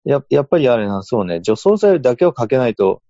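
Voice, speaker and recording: Hesitant man, lively pitch. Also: fast, dry recording, highs cut off. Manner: hesitant, laughs often. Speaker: podcast guest. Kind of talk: casual chat.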